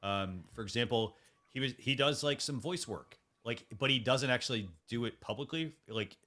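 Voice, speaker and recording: A man's voice: medium pitch, moderate pace, pushed and bright. A man hosting a casual panel discussion, talking in an informal, rambling way. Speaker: talk show host.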